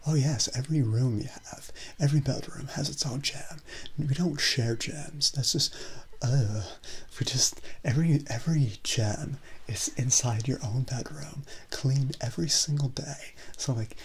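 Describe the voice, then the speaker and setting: A young man playing a chill, eccentric Californian surfer-dude resort manager in a soft, whispery voice for comedy ASMR roleplay. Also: medium pitch, vocal fry, breathy edge, exaggerated voice. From California, United States. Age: young adult. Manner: laid-back, slang-heavy, drawn-out. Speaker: ASMR performer.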